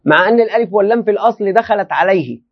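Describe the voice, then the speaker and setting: A man's voice: sits high, lively intonation, very fast, highs cut off. A man teaching a religious text in a classroom lecture, often repeating and restating phrases and speaking directly to his students. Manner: addresses listeners directly, often checking understanding.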